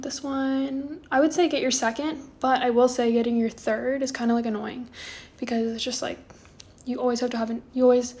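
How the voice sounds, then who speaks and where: A woman in her twenties chatting casually on a livestream from her bedroom, soft and drowsy, often trailing off. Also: high-pitched. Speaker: livestream host. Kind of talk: casual chat answering viewer comments. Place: small bedroom indoors. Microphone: phone held close, front camera.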